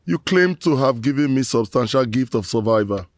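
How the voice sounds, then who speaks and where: A man's voice: medium pitch, lively intonation, normal speed, dry recording, studio quality, close to an everyday voice. An actor playing a remorseful middle-aged rogue who pleads with his ancestors in a lamenting, declamatory way. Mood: pleading.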